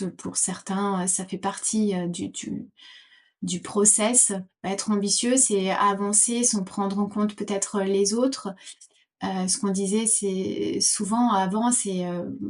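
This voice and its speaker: A middle-aged woman from Portugal answering interview questions thoughtfully, with many fillers and restarts. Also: mid-range voice. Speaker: podcast guest.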